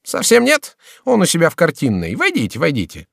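Man doing a teasing young courtier, high and lively. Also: fairly quick, vocal fry, dry recording, clean studio sound, exaggerated voice. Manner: playful, bright and drawn out. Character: young male courtier, idle and mocking.

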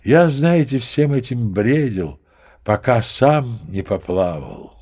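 A man's voice: mid-range voice, expressive, slow pace, darkish tone, slightly rough. An actor playing a grandiose, boastful old sea captain in an audio play, savouring his phrases theatrically. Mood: approving, dreamy. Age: older. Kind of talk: audio play character acting.

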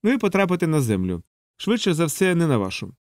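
Man doing a lecturing high-voiced alien helper. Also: sing-song, fairly quick, a little mellow, dry recording, studio quality. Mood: urgent. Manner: didactic, explaining at length. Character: fussy alien male helper, lecturing and urgent. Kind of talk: audiobook character voice.

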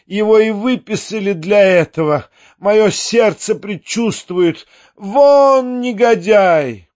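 A man voicing a domineering, hysterical old woman who screeches and shouts orders. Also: high voice, takes it slowly, lo-fi sound, voice pushed up. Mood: hysterical fury.

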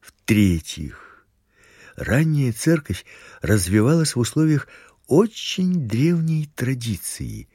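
A man reads a Christian teaching at an unhurried, deliberate pace. His voice is low, dark and slightly husky, with lively rises and falls in pitch. The recording is dry and close. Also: dry recording. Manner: slow, measured reading with wide pitch swings. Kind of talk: scripted religious lecture.

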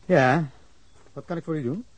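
A man's voice: on the high side, normal speed, slightly rough, low-quality recording. An actor playing a wary male journalist being questioned by police in a radio drama. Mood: guarded. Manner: guarded, dismissive.

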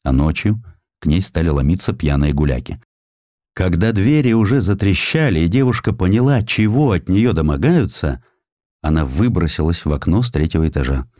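A man's voice: sits low, moderate pace, no room sound, clean studio sound. A man reading historical sketches as a dramatic, theatrical audiobook narrator. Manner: expressive, theatrical storytelling.

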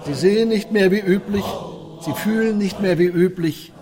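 An actor playing a gentle, wise old Muslim man in a radio drama, speaking in a slow, contemplative and tender way. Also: high voice, a crowd in the background, close to an everyday voice, poor audio. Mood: rapt, encouraging. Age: older.

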